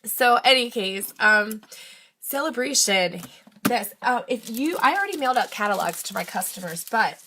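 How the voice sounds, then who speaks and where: A middle-aged woman, a bit raspy after being sick, hosting a live craft demonstration in a chatty, enthusiastic way with many fillers. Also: on the high side, lively intonation, normal speed, pushed and bright, a little hiss or hum, low-quality recording. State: raspy from recent illness. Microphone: phone or tablet livestream.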